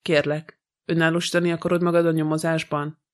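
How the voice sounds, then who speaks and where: A man reading the part of a calm, shrewd middle-aged detective in an audiobook, composed and dry. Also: fairly high pitch, close to an everyday voice.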